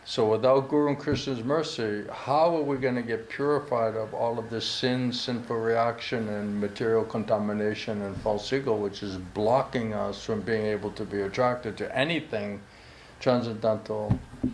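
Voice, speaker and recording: A man's voice: lowish voice, steady tone, moderate pace, slight background noise. Conversational male teacher in an echoey room. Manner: conversational, acts out quoted voices. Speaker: spiritual teacher. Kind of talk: lecture on scripture, casual storytelling. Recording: echoey room, faint ambience.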